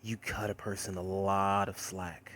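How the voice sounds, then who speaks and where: A man voicing a sarcastic, wisecracking teenage boy who narrates in a wry, conversational monologue with dramatic pauses. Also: deep voice, flat delivery, a bit bright, a little hiss or hum. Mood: guarded, wry. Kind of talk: first-person character monologue, voice acting demo.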